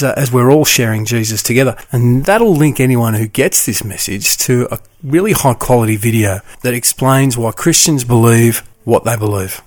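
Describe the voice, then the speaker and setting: Friendly radio co-host. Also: male voice, medium pitch. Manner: friendly, encouraging. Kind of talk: relaxed Christian radio hosting.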